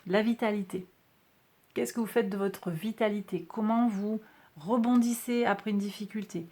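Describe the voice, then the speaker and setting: A woman's voice: mid-range voice, normal speed, dark tone. Chatty woman giving a tarot forecast. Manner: chatty, reassuring, peppered with "hein" and "d'accord"; addresses viewers directly as a group. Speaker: tarot and astrology reader. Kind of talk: casual card-reading monthly forecast.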